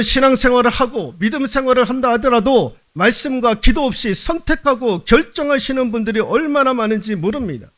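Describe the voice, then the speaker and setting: A male pastor preaching at a Wednesday prayer service. He asks the congregation rhetorical questions with emphasis and drops to a soft, low voice for confessional prayers.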